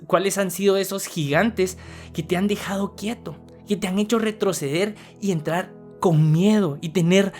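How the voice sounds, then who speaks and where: A woman with a Guatemalan Spanish accent gives a motivational sermon, speaking earnestly and directly to the listener with rhetorical questions. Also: on the low side. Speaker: preacher.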